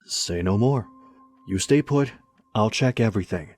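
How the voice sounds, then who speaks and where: A man playing a steady, protective character in a horror game. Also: fairly low pitch, unhurried. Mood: reassuring.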